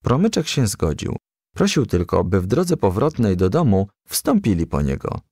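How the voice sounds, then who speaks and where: A man reading a children's story aloud in a gentle storytelling manner. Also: on the low side, huge pitch swings, moderate pace, no echo, clean studio sound. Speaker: audiobook reader.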